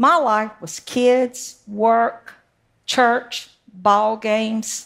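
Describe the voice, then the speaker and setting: Speaking very slowly with a Mississippi accent, a woman uses a fairly high pitch in a very clean recording with a silent background. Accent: Southern US (Mississippi). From US South, Mississippi (Yazoo City). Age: old. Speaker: former juror. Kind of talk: interview and talk excerpts.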